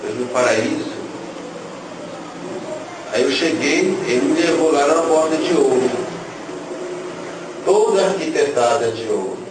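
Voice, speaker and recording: A man's voice: mid-range voice, expressive, a little slow, long pauses. A man gives an emotional religious testimony, telling his story and acting out the dialogue. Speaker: testimony speaker. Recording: echoey, distant, noisy room.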